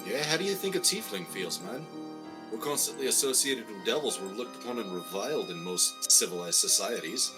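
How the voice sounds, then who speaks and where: A man's voice: lowish voice, lively intonation, a little fast, close to an everyday voice. A man voicing a proud, guarded male tiefling adventurer in a tabletop game, speaking in a dry, casual manner. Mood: wry. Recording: music playing clearly behind.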